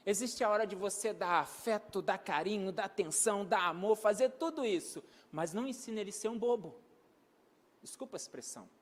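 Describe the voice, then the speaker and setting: A man with a notably high voice preaches with emphasis, hammering his points by repeating them. He slips into little acted-out exchanges. His voice rings with a long hall reverb. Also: fairly quick. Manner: emphatic, repeats key phrases; acts out everyday dialogue. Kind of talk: sermon on parenting.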